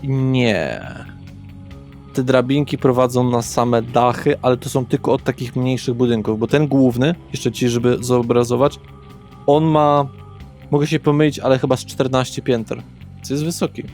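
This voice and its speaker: A man's voice: medium pitch, fairly even intonation, moderate pace, a little mellow. A man narrating a tabletop roleplaying session as game master, explaining things in a conversational way. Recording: background music with guitar. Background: guitar music.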